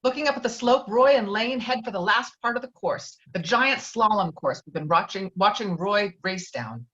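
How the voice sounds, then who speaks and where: A woman narrates the action lines of a screenplay at a virtual table read. Her pitch is medium. The recording is a little dull, like online call audio. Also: lively intonation, normal speed, a bit bright. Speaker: stage directions narrator. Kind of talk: scripted narration of screenplay directions.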